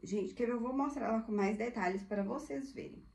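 A woman's voice: a little high, moderate pace, creaky, a little mellow. Woman, chatty thrift seller, gushing casual showcase. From Brazil. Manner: chatty, gushing, addresses viewers as girls. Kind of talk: casual live product showcase.

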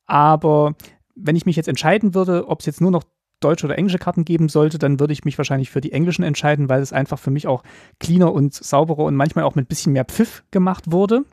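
A man co-hosting a casual podcast discussion, explaining things quickly in his native German, with lots of filler words. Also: on the high side, darkish tone, no echo, studio quality. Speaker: podcast co-host.

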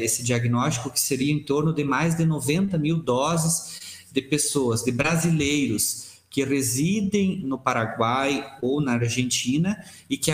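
A man in his thirties, a health secretary, giving a measured official statement on a video call from a small office. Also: mid-range voice, reverberant. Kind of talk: news interview statement. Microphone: webcam on video call.

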